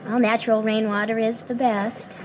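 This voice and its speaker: A woman's voice: a little high, little pitch movement, normal speed, slight background noise, close to an everyday voice. An actress playing a playful young woman who teases the man she is talking to. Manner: playful, teasing.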